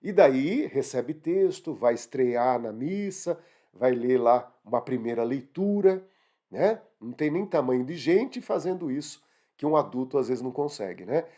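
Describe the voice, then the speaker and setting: A man's voice: mid-range voice, normal speed. A middle-aged man with a Brazilian accent teaching an online grammar lesson, talking straight to his students and asking them questions. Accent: Brazilian Portuguese. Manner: animated, talks to students directly with rhetorical questions.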